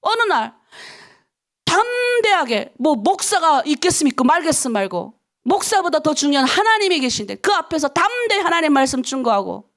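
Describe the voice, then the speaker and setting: Woman pastor from North Korea, middle-aged, animated dawn sermon, high and swooping, presses listeners with questions. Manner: lively, emphatic, talks to the congregation with rhetorical questions.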